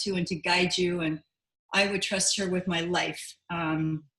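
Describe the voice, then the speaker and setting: Her voice sits at a medium pitch with ordinary pitch variation. This woman talks at a moderate pace. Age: 50s. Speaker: network marketing leader. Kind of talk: casual chat. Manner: animated.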